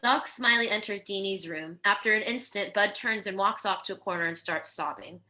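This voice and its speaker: Bright-voiced woman reading stage directions. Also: mid-range voice, moderate pace. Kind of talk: scripted narration at a virtual table read.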